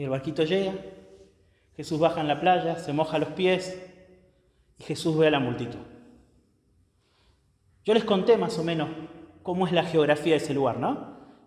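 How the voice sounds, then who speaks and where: A man preaching a sermon as pastor, emphatic, swinging between loud declarations and hushed lines, often checking in with the congregation. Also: on the high side, animated, normal speed, long pauses. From Argentina. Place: church sanctuary. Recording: echoey church hall with long reverb.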